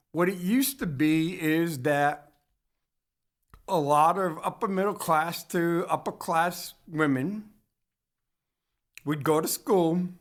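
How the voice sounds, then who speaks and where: Slow, halting man lecturing. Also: a little high. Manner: slow, halting delivery with restarts and self-corrections. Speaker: host of a local community TV talk show. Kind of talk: lecture-style commentary.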